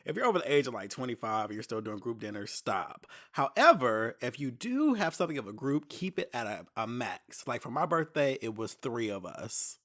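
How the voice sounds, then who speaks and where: A man's voice: mid-range voice, big pitch swings, normal speed, hardly any pauses, a bit bright. A man from California hosting a podcast, upbeat and chatty, laughing easily in casual chat. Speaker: podcast host.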